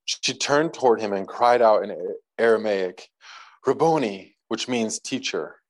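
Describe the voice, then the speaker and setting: Speaking low and at a measured pace, a male pastor delivers a relaxed, conversational sermon, reading scripture aloud and slipping in light jokes. The audio is poor.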